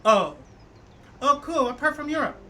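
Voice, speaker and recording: A man in his late thirties rambles casually to his stream viewers as he cycles and plays, stopping and restarting with lots of fillers. His voice sits high for a man and sounds bright and forceful. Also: lively intonation. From United States. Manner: chatty, rambling, halting with many fillers. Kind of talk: casual chat with viewers while cycling and gaming.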